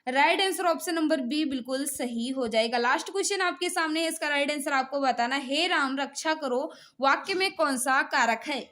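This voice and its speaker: Female Indian teacher, high-pitched, for exam quiz lesson; instructional delivery that keeps prompting students to answer. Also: moderate pace, few pauses, fairly bright tone. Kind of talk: live exam quiz lesson, reading questions and giving answers.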